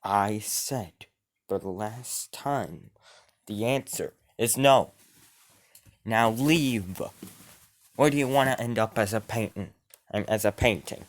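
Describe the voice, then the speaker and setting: A man voicing an enraged female ghost queen, ranting in a high, strained voice. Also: takes it slowly, long pauses. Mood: threatening. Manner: shrill ranting, shaky at first. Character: furious ghost queen, female, towering, vengeful.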